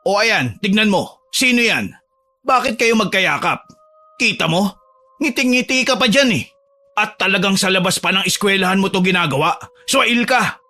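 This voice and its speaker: A man's voice: high voice, animated, normal speed, pushed and bright. A man voicing a strict, angry father scolding and threatening his daughter, over faint music.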